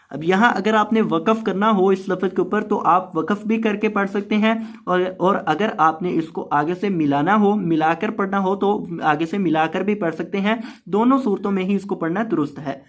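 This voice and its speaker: A man with a South Asian Urdu accent teaching Quran recitation with tajweed, spelling out letters and vowels, then chanting the verses in long drawn-out tones between quick explanations. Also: high voice. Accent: Urdu-speaking South Asian.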